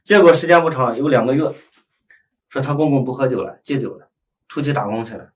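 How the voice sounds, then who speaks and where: A man preaching as a Catholic priest, telling a story with lively acted-out dialogue and frequent tag questions to his listeners. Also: medium pitch, fast. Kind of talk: storytelling sermon. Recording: voice heard from a distance.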